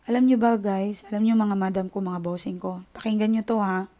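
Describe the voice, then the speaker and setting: A woman's voice: mid-range voice, fairly even intonation, fairly quick, dark tone. A woman with a Filipino accent, hosting a tarot channel and talking to her viewers in an impassioned, indignant way, mixing in English phrases. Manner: impassioned, indignant, switching between Tagalog and English. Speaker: tarot reader and channel host. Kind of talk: casual chat to viewers.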